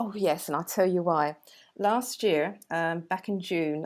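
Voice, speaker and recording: A woman with a London accent, fairly low in pitch, with ordinary pitch variation, on a very clean recording with a silent background. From London, England. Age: 60s. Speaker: author. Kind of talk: interview. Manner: energetic.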